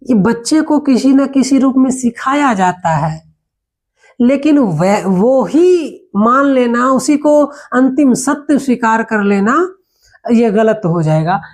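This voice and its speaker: A woman gives a spoken grammar lesson in a fairly high voice. She explains patiently, asking rhetorical questions and reaching for everyday examples. When she lists the letters, she sounds each one out slowly and with care. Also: animated, a little mellow. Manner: slow, careful recitation of letters. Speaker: Hindi grammar teacher.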